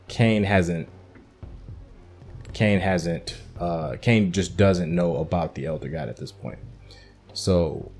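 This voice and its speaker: A man hosting a gaming video, giving casual, informal playthrough commentary in a halting, thinking-aloud way. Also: deep voice, darkish tone.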